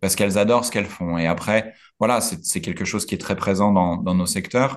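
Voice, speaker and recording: This man talks at a moderate pace in a fairly low pitch. The background is quiet. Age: 40s. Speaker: nonprofit executive. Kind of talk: casual chat. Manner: halting.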